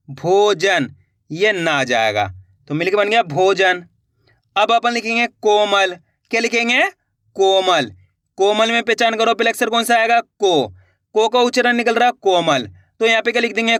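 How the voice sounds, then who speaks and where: A man with a high, bright, forceful voice gives a patient step-by-step reading lesson, drawing out syllables and repeating each word. He asks his own questions and answers them in turn. The sound is close and dry, with no room echo. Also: clean tone. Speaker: Hindi reading teacher.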